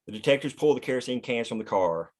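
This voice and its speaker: A man's voice: mid-range voice, expressive, quick pace, darkish tone. A man reading stage directions as the narrator of a screenplay, in scripted narration.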